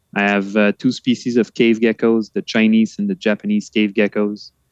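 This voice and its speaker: The sound is dry and close with no echo. A man of medium pitch speaks in a French accent. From Quebec, Canada. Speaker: reptile keeper. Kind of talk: podcast interview. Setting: home room, remote call. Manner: hesitant, many fillers.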